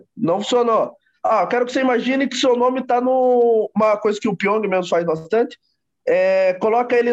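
At a moderate pace, a man talks with an extremely high pitch and ordinary pitch variation. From Brazil, Sorocaba (São Paulo state). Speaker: hypnotist, workshop participant. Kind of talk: casual group chat. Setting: video call.

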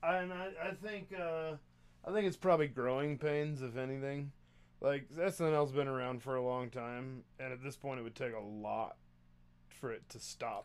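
The speaker has a normal speaking voice and an American accent. Delivery keeps a moderate pace with ordinary pitch variation. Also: man, fairly high pitch for a man. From Idaho, New Plymouth. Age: 30s. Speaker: stand-up comedian. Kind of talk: casual chat.

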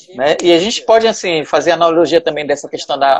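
Here a man is talking. His intonation is lively. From Brazil, Fortaleza. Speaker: religious community member, counselor. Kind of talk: casual chat.

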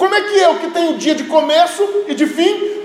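A man's extremely high voice with lively intonation at a moderate pace, amid audible room echo and noticeable background noise. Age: 40s. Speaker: pastor. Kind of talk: sermon. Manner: animated.

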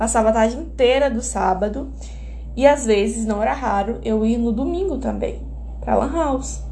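A woman speaks at a fairly quick pace with audible room echo. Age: 20s. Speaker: podcast host. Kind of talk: casual solo monologue. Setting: at home. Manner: halting, many fillers.

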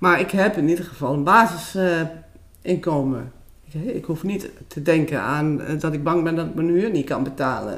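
Her pace is fairly slow. The woman's pitch shifts in an ordinary way. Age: 60s. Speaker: retired family doctor. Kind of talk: casual interview.

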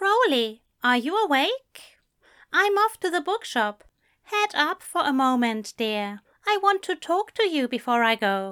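A put-on character voice with a bright, sharp tone, fairly slow pace and big pitch swings, in a very clean recording with a silent background. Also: woman, high pitch for a woman.

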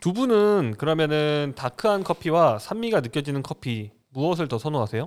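In a very clean recording with a silent background, a man speaks at a moderate pace with hardly any pauses. His fairly high pitch swings very widely. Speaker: podcast host of a coffee chat show. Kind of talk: casual chat. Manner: calm, gentle pace.

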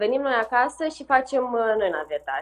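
A woman's voice over background music. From Chișinău, Moldova. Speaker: photographer and mother. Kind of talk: casual interview chat.

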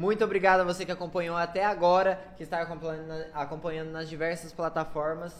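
A man speaks at a very fast pace and a high pitch. His pitch variation is ordinary. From Londrina, Brazil. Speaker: podcast host. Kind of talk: casual interview chat.

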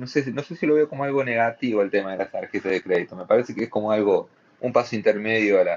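A man's lively intonation rides on a medium-pitched voice that moves along at a fairly quick pace. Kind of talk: casual chat.

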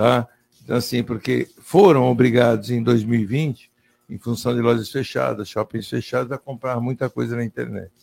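An ordinary speaking voice at a moderate pace. The sound is dry and close, with no echo. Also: man, medium pitch for a man, fairly even intonation. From Santos region, São Paulo state, Brazil. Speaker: business association president. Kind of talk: radio talk show discussion.

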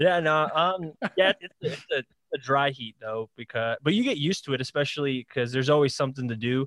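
With an ordinary speaking voice, a man talks at a fairly quick pace in a fairly high pitch, with ordinary pitch variation. The sound is dry and close with no echo. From military kid, born in the Philippines, raised in the US. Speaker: sports podcast host. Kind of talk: casual interview.

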